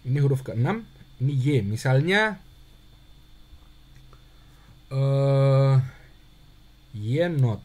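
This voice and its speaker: A man teaching a handwriting lesson, patient and steady, who asks questions and answers them himself. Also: mid-range voice, a little slow, breathy edge. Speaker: Russian language teacher.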